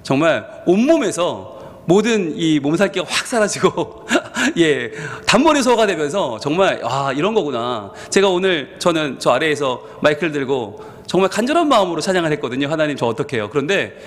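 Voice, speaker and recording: A male senior pastor preaching a sermon, with sudden swings in pitch and volume, acting out what his listeners might think in quoted asides. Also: sing-song, normal speed, in a large hall. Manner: acts out the congregation's thoughts in quoted asides. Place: church sanctuary.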